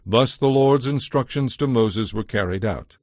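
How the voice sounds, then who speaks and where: A man narrating scripture from a script as a storyteller, in a measured, solemn way. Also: mid-range voice, a little mellow, no room sound, clean studio sound.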